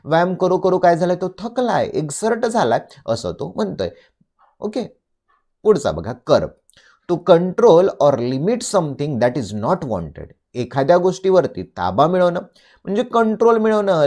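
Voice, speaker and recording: Marathi-accented man teaching vocabulary, lively. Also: fairly high pitch. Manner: reads English definitions slowly, then explains them at length; asks the listener rhetorical questions. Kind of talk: bilingual vocabulary lesson.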